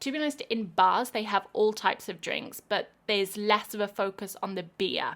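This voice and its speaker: A woman's fairly high voice with a British accent at a fairly slow pace, very cleanly recorded against a silent background. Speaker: English teacher. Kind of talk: educational podcast talk. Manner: casual, clear.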